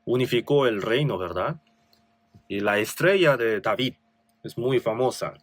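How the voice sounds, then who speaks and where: A man's voice: medium pitch, expressive, a little slow, no echo. A male pastor with a Korean accent preaching a sermon, reading scripture with rising emphasis and asking rhetorical questions.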